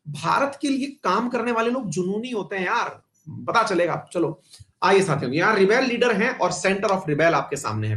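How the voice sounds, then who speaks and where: A man's voice: high voice, a bit bright. A man teaching a history class online, chatty, putting questions to his students and drifting into side remarks, with English terms mixed into his talk. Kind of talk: online exam-prep class.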